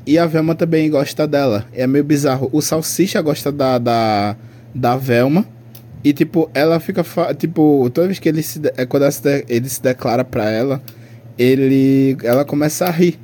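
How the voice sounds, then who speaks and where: A man's voice: medium pitch, normal speed, dark tone. A man in his twenties with a Brazilian Portuguese accent, co-hosting a podcast in casual chat, rambling and slangy with frequent laughs. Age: 20s. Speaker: podcast co-host.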